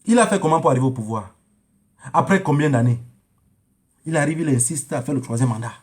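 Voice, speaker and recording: High-pitched, haranguing man. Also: expressive, brisk, darkish tone. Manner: emphatic, haranguing, repeats phrases for effect. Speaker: online political commentator. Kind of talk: informal political monologue to online viewers.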